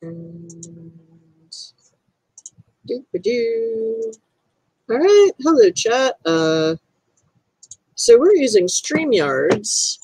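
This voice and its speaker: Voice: mid-range voice, big pitch swings, extremely slow, gravelly, pauses often, darkish tone, husky, dry recording, rough recording. A game master chatting casually with livestream viewers over headset audio, rambling and trailing off with fillers.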